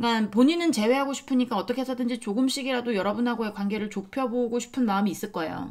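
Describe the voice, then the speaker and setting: This woman speaks very fast, her pitch variation ordinary. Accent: Jeolla. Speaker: tarot reader. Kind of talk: tarot reading monologue to viewers. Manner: casual, with many fillers and repetitions.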